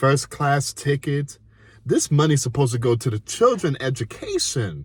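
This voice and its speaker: On a very clean recording with a silent background, a man with a fairly high pitch speaks somewhat breathily at a fairly slow pace with ordinary pitch variation. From Puerto Rico. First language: Spanish. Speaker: news commentator. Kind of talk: casual news commentary. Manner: repetitive, halting.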